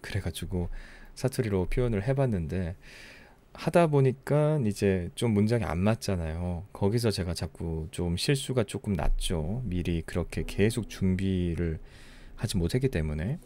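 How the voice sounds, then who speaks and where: A tired young man from Ulsan, hosting a late-night reading stream, chatting softly and unhurriedly as he thanks listeners. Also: deep voice, animated. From Ulsan, South Korea. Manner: soft, unhurried, apologetic and thankful. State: tired after a long broadcast. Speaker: book-reading livestream host. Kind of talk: casual chat reading listener comments.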